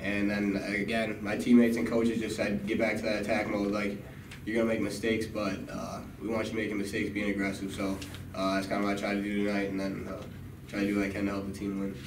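A young male college basketball player giving modest, halting postgame answers, full of "uh" and "kinda.". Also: on the low side, completely flat delivery. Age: young adult. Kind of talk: postgame press conference answers. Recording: echoey room, distant mic, noticeable background noise.

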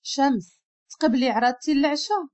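Woman voicing a quiet reserved Moroccan boss. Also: very high-pitched, brisk. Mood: calm. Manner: brief and calm.

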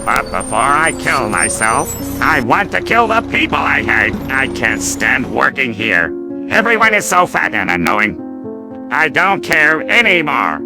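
A man's voice: mid-range voice, very animated, drawn-out words, music in the background, full character voice. A man voicing a weary murderous squid. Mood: bitter. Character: bitter murderous adult male squid, fed up with life.

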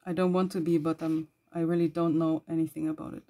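A woman with a hoarse, worn voice who is losing it, chatting casually while flipping through her journal and clearing her throat often. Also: low voice, little pitch movement, fast, dark tone. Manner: rambling, chatty with small laughs and throat clearing. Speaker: journal vlogger.

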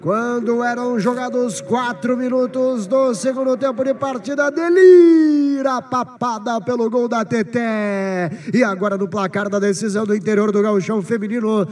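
A man giving excited football play-by-play commentary with long, drawn-out goal yells. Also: very high voice. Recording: distant broadcast sound with clear noise.

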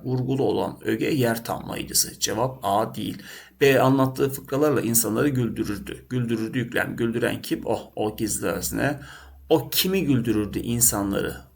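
A Turkish teacher with a medium-pitched voice and vocal fry teaches a lesson, working through test questions by posing and answering them himself. He frequently addresses his students as he goes.

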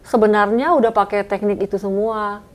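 Relaxed woman guest talking about singing. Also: mid-range voice, moderate pace. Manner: relaxed, mixes English phrases into speech. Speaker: guest singer and vocal coach. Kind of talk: casual conversation.

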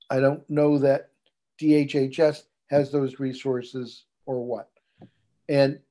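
An older man speaks at an unhurried pace in a somewhat high voice. He is a clinician summing up a committee discussion over a video call, measured and deliberate, with many fillers. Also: warm tone. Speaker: clinician and commission subcommittee member. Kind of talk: remote committee meeting remarks. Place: home room.

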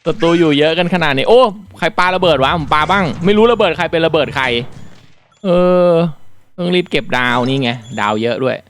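A man reviewing a mobile shooter in casual commentary, explaining politely and then exclaiming excitedly while he plays. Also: fairly high pitch, brisk.

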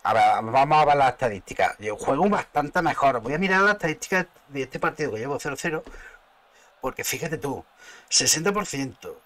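Excitable Spanish man cursing at a game. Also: mid-range voice, brisk, no echo. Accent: Spain Spanish. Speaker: gaming streamer. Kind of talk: live gameplay commentary.

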